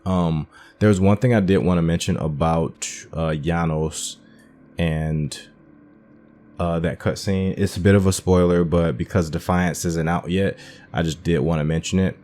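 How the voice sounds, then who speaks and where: A man with a low voice hosts a gaming video with casual commentary. He explains things informally, working through his thoughts aloud. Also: steady tone, unhurried, dark tone.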